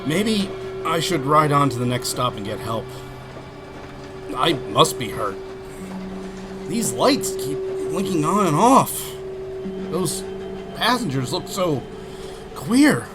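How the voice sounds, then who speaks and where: A man's voice: fairly high pitch, very animated, takes it slowly, pauses often. A man playing a frightened young man pleading for help in a radio drama. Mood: dazed. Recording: music bed behind.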